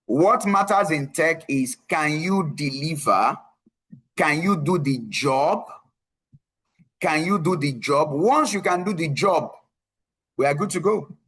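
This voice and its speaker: A man runs a live online career webinar, his voice sitting a little high for a man. He presses his points home and repeats key lines, often tagging them with a quick "right?" to check in with his viewers. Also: animated, a bit bright, slightly rough. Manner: emphatic, repeats key phrases, frequent tag "right?". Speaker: tech career coach presenting a webinar. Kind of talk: live online presentation with screen share.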